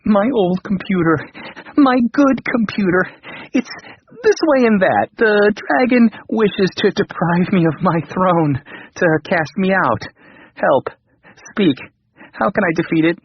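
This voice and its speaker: A man voicing a frightened, whiny old king who pleads in a shrill, panicky way, on a dull lo-fi radio recording. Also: slow pace, slight background noise.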